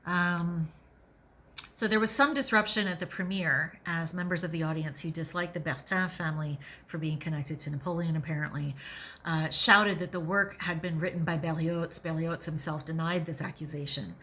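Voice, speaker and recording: A woman hosting a podcast, reading aloud and adding opinionated, emphatic commentary, sometimes pausing to think out loud. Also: low voice. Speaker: podcast host and reader.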